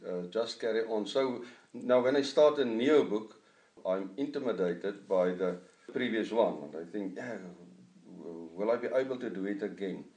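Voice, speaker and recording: A middle-aged man with an Afrikaans accent, an author talking in an interview about his novel. He speaks in a halting way, searching for English words. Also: on the low side, a little mellow. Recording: echoey room, mic at a distance.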